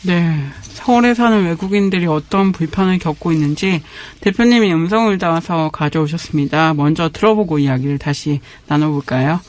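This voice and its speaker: Higher-pitched male interview host. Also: a little fast, hardly any pauses. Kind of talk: broadcast interview, polite questions.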